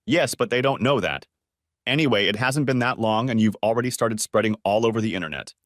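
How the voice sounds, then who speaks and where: A man voicing a confident young woman who plans a scheme, in a brisk, matter-of-fact way. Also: fairly low pitch, dry recording, clean studio sound, lightly acted.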